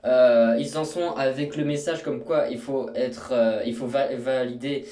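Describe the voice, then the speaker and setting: A man's voice: mid-range voice, steady tone, unhurried, warm tone. A young man walking through a screen tutorial in a casual, rambling way, full of fillers and restarts. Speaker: YouTuber. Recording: echoey room, mic at a distance.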